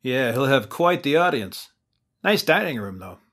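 A man's voice: medium pitch, big pitch swings, normal speed, a bit bright, slight background noise. A man voicing Adam, a young man who leads the group with a wry, commanding manner, in an amateur audio drama. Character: young man Adam, leader of a monster hunt.

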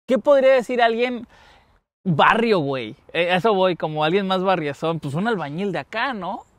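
A man's voice: high voice, lively intonation, moderate pace, no echo. A man with a Mexican accent hosting a casual podcast chat, joking and slangy with lots of swearing and filler. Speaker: podcast host.

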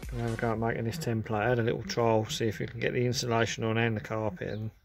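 A man with a mid-range voice races along in a completely flat delivery, chatting offhandedly about a van conversion as he works in his garage workshop. His casual DIY commentary sometimes drifts away from the camera mic, and background music plays.

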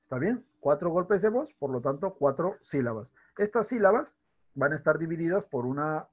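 Husky teacher man, lo-fi recording. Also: a little high. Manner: checks in often with rhetorical questions; spells out words slowly by syllable. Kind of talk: recorded online grammar lesson.

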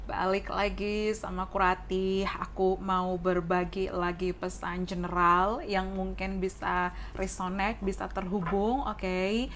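A young woman with a hoarse voice giving a casual tarot reading, chatty and often saying "oke". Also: mid-range voice, little pitch movement, slow pace, hardly any pauses, a bit bright, slight background noise. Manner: chatty, mixes English phrases, says "oke" often. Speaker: tarot reader. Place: indoors at a wooden table.

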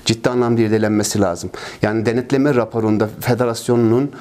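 A man's voice: mid-range voice, fairly even intonation, quick pace, darkish tone. A man in his fifties, a ski club president, answering interview questions earnestly, complaining at length, with many fillers and repeated phrases, recorded on a lapel mic in a trophy-filled office. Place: office with trophies and flags, indoors.

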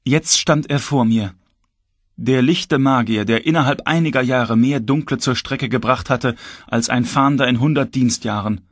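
Husky guy reading an audiobook, measured and tense, dry close sound. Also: mid-range voice, dry recording. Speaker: audiobook reader. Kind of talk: scripted first-person narration.

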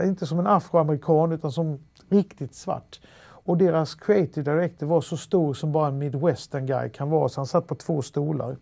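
This is a middle-aged man speaking a Halland dialect, from Sweden, telling a story in an interview. His pitch is fairly high with vocal fry. The narration is lively and anecdotal, with frequent fillers and restarts.

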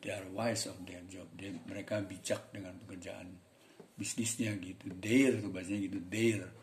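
A man teaching English in a casual lesson. He reads example sentences slowly, explains them with chatty fillers, and acts out short dialogue parts in a raised voice. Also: deep voice, flat delivery, a little hiss or hum.

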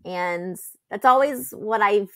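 A woman's voice: mid-range voice, slow pace, bright, forceful tone. Chatty young woman podcast co-host. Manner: chatty, reassuring, many fillers. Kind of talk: casual chat.

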